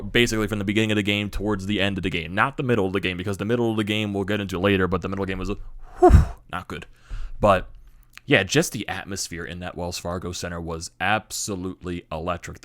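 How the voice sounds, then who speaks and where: A young man rambles through a hockey recap with lots of energy and digressions. His voice is low and smooth, with a slight strain from screaming at the arena. It sounds close and dry. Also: fairly bright tone, dry recording. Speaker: sports channel host. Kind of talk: solo hockey recap talk.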